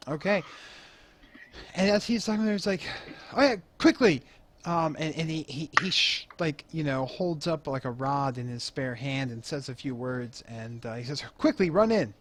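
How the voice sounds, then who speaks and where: A man's voice: mid-range voice, normal speed, sharp tone, slight background noise. A man narrating a tabletop game as game master, rambling with lots of "um" and "like". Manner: rambling, full of "um" and "like".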